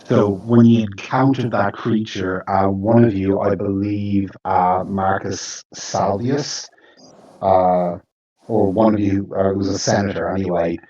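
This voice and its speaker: A man narrating as game master of a tabletop game, halting and full of fillers as he recaps. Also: deep voice, steady tone, dark tone, distant mic, muffled recording. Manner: halting, with many fillers and restarts.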